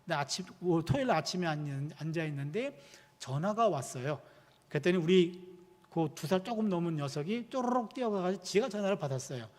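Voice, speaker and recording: Middle-aged pastor guy telling family stories in a sermon, high voice that swings all over, church hall reverb. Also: a little fast. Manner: animated storytelling, acting out quoted dialogue. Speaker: pastor and university professor. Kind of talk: sermon with personal anecdotes. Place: church sanctuary.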